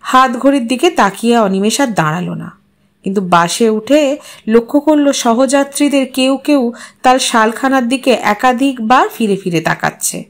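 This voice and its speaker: A woman reading a literary story aloud as an expressive narrator. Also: fairly high pitch, normal speed.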